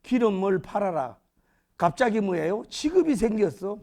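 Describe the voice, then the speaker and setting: A male pastor preaching a sermon, acting out scenes with sudden shouted lines. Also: high-pitched, sing-song, moderate pace.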